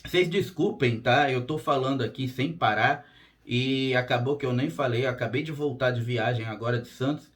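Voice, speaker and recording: A man whose voice is hoarse and strained, with a raspy edge that breaks now and then. He talks casually and directly to his viewers as a spiritual therapist, plain-spoken and unfussy, in a mid-pitched voice. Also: moderate pace. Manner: direct and plain-spoken, frequent "tá?" check-ins. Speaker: spiritual therapist and channel host. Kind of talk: casual monologue to camera.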